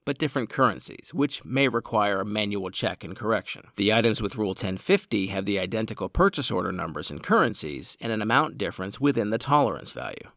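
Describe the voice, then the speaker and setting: A man reading a scripted software tutorial in a measured, formal, explanatory way. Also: fairly low pitch, expressive, gravelly, no room sound, studio quality. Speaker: product tutorial narrator.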